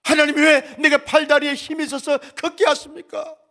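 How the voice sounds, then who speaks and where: A man voicing Job, a suffering man pleading loudly with God. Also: very high voice, little pitch movement, moderate pace, vocal fry, exaggerated voice. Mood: anguished.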